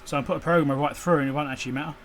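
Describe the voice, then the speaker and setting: A man's voice: on the high side, fairly even intonation, very fast, slight background noise. A man giving an off-the-cuff, casual running commentary as he does hands-on work, with muttered asides. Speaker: electronics repair channel host. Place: indoor electronics workbench.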